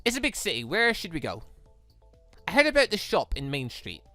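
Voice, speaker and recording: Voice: medium pitch, huge pitch swings, fairly quick, sharp tone, no room sound, faint music behind. A performer voicing a sweet, naive, earnest and shy young girl in a visual novel. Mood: friendly, bright.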